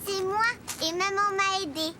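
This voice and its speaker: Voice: very high-pitched, steady tone, normal speed, background noise. An actor voicing a small, curious three-year-old boy in a children's cartoon, with childlike, simple phrases. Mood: eager.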